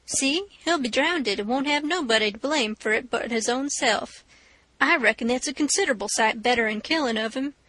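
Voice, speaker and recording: A woman reader plays a cool river robber laying out his plan in quiet, reasoning tones. Her voice stays bright and dry, close to the mic. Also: on the high side, no echo. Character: calculating male river robber, cool and persuasive.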